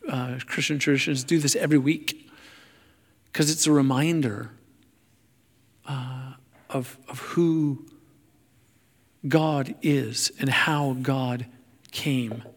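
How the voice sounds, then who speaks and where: A man preaching a sermon in a halting, self-deprecating way, searching for his words as he goes. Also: mid-range voice, fairly even intonation. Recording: long hall reverb.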